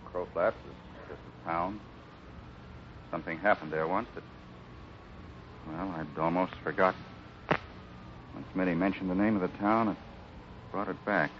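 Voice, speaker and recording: A man's voice: low voice, steady tone, normal speed, long pauses, lightly acted. A man playing a fatherly, troubled cowboy foreman, terse and protective, in a 1950s radio western. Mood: troubled, evasive. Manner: grave, protective, clipped. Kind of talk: 1950s radio drama acting. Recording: dull, noisy 1950s radio recording.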